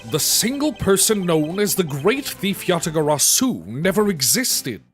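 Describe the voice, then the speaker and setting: A streamer playing a stern, composed male prosecutor who reasons aloud in formal, measured video game dialogue. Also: mid-range voice, sing-song, soft background music. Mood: deductive, firm.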